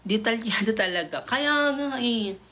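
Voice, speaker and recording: A man's voice: extremely high pitch, expressive, measured pace, sharp tone. A gay man of twenty-one, host of a livestream, rambling through a story to his viewers with many fillers and restarts. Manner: camp, calls viewers "bakla".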